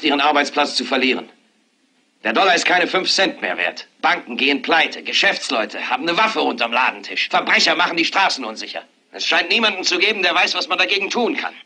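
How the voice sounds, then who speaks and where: An outraged TV anchor in a rant. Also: male voice, fairly high pitch, slightly rough, heavily acted. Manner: impassioned, building to a shouted rant. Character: fed-up male TV news anchor ranting on air. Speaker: dubbing actor. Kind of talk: dubbed film acting.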